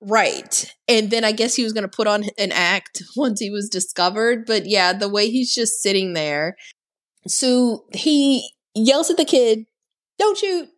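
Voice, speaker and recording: In this clip a woman with a mid-range, fairly bright voice speaks a little slowly. She co-hosts a podcast and recaps a horror movie casually, chatty and sarcastic, saying "like" constantly.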